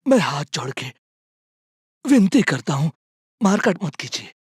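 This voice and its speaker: An earnest nonviolent leader, husky. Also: male voice, on the high side, very animated, measured pace, dry recording, clean studio sound, exaggerated voice. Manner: earnest, pleading address. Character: idealistic nonviolent male protest leader. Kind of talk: Hindi film dub.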